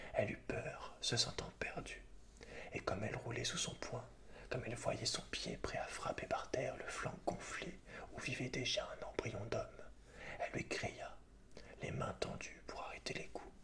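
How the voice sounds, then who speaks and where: A man whispers in a gentle tone at a fairly slow pace, with long, frequent pauses. Noticeable background noise runs underneath. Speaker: ASMR creator. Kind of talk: ASMR literary reading (soft voice). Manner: soft-spoken, gentle.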